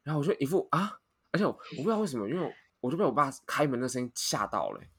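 A man's voice: medium pitch, very fast, breathy edge, dry recording, clean studio sound. A young man, co-hosting a podcast and rambling through a story with lots of restarts. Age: young adult. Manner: rambling, restarts often, animated retelling. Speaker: podcast co-host. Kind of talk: casual storytelling chat.

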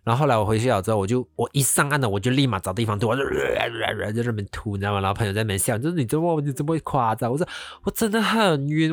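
Animated man telling a story. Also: lowish voice, dry recording. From Malaysia. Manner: animated, mixes English words into Mandarin, drawn-out exclamations. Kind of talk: casual storytelling.

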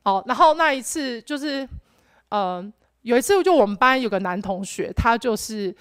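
A woman's voice: fairly high pitch, expressive, moderate pace, a bit bright, clear, resonant tone, no room sound. A young woman gives an earnest personal testimony at church, rambling with restarts and fillers. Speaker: church member giving testimony.

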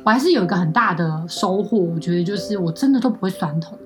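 A woman's voice: lowish voice, expressive, quick pace, faint music behind. A young woman with a Taiwanese Mandarin accent, telling long rambling stories in a casual chat, with many fillers and restarts.

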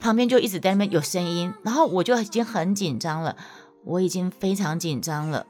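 A woman's voice: brisk, soft background music. A young woman with a Taiwanese Mandarin accent telling a story to her listeners in a casual, emphatic way, her voice leaping up when she gets worked up. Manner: animated, emphatic, voice jumps high when worked up.

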